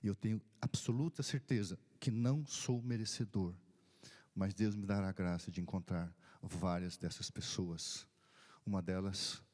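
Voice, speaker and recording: A man's voice: low-pitched, darkish tone. A middle-aged man, a pastor preaching a sermon through earnest stories with emphatic rises. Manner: earnest storytelling with emphatic rising peaks. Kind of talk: sermon storytelling.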